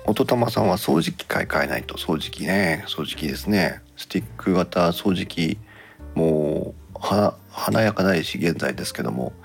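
A man's voice: low-pitched, lively intonation, moderate pace, vocal fry, slightly rough, faint music behind. A man hosting a podcast about home appliances in casual chat, thinking aloud in short conversational phrases. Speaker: podcast host.

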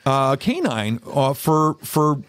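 A man's voice: medium pitch, big pitch swings, a bit bright, no room sound. A man hosting a casual studio interview, joking and bantering with guests. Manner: jokey, quick to banter. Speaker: interview show host.

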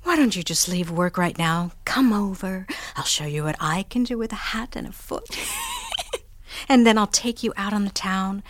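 A flirty, wry partner, voiced by a woman, with a mid-pitched voice and a teasing hush. The recording is close and dry, like a studio audio drama. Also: lively intonation, moderate pace, no echo, lightly acted. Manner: flirty, affectionate, wry, often hushed. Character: affectionate, wry female partner and producer. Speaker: show producer.

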